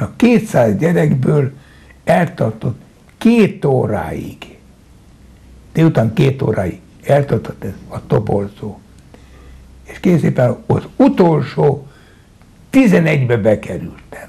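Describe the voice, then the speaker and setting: At a very slow pace with long, frequent pauses, a man of fairly high pitch speaks with very wide pitch swings and big swings in loudness. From Hungary. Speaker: retired footballer. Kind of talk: interview answer. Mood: reminiscing, storytelling. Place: home room.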